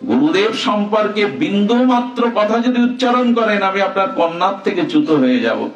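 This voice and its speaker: A man's voice: high-pitched, very animated, moderate pace, pitched above the performer's own voice. Man playing an intense, pleading young princess; roomy, dull sound. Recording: echoey, distant, dull mic.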